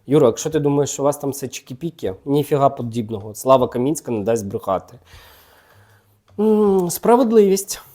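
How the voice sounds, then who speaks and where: A man's voice: medium pitch, expressive, brisk, dark tone. A man hosting a gossip channel, chatting casually and teasingly while reading tarot cards and talking straight to the people he gossips about. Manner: chatty and teasing, talks directly to celebrities.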